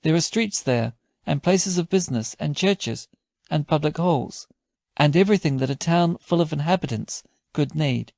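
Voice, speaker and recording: Man reading as a creaky-voiced, talkative country landlord. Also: a little high, lively intonation, normal speed, a little mellow, dry recording, clean studio sound. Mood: matter-of-fact. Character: talkative, matter-of-fact country landlord telling local lore.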